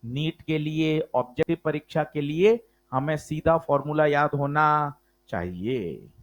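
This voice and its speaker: Male physics teacher, slightly high voice, slow deliberate delivery, keeps quizzing the class. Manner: slow, emphatic, quizzes students with questions. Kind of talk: classroom lecture.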